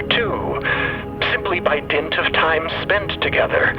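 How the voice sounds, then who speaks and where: Composed eulogist for audio drama: unhurried, articulate, gentle and grieving, medium pitch. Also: male voice, lo-fi sound. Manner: measured, deliberate, articulate oratory. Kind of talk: acted audio drama monologue.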